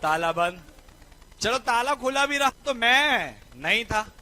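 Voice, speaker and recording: A young man teaching law in a lecture, telling a personal story in a lively way and often asking his listeners whether they agree. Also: very high voice, takes it slowly, low-quality recording. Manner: lively, keeps asking "right or not?". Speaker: law tutor.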